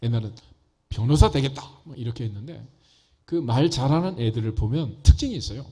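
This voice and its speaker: A man's voice: mid-range voice, lively intonation, quick pace, mellow, husky. A male pastor giving a folksy, conversational sermon, often asking the congregation rhetorical questions.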